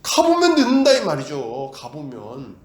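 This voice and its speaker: His slightly high voice swoops wildly in pitch at a moderate pace, filling the church with roomy sound. Preaching emphatically, he throws out rhetorical questions and plays out the voices of doubters and God.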